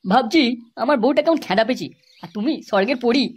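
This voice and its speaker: A performer voicing a flirtatious, boastful village lover in a comedy cartoon, theatrical and husky, with a West Bengal accent. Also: mid-range voice, expressive, fast talker. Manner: theatrical sweet-talking. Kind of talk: amateur comedy cartoon dialogue.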